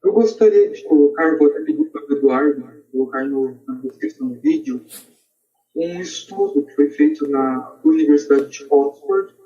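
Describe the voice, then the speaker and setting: A very dark, mellow male voice with a Brazilian accent, pitched a little high. He talks earnestly as a podcast guest. The sound is dull and distant from the microphone. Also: big pitch swings, moderate pace. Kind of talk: earnest discussion.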